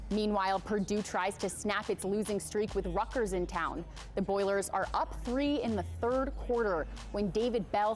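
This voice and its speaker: A woman with an American accent reading a scripted sportscast as anchor. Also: mid-range voice.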